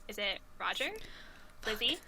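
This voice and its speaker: A woman's voice: mid-range voice, lively intonation, normal speed, vocal fry, bright, forceful tone, a little hiss or hum, rough recording. A woman hosting a casual trivia game, reading out questions and chatting with the players. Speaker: trivia quiz host.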